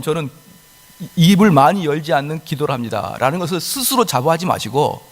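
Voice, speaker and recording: A man's voice: fairly high pitch, big-room sound. A male pastor preaching a sermon emphatically, with rhetorical questions and acted-out quotes. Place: church sanctuary.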